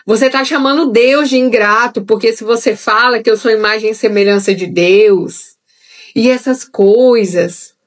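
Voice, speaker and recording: A woman's voice: on the high side, moderate pace. A young adult woman leading a live-streamed Bible study in a conversational way, speaking straight to her viewers. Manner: conversational, talks directly to viewers. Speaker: Bible teacher.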